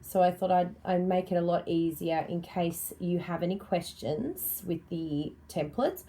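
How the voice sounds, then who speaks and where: A middle-aged Australian woman with a slightly croaky voice, chatting upbeat and friendly through a live card-making tutorial and greeting viewers by name. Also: on the low side, darkish tone. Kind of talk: live-stream tutorial chat.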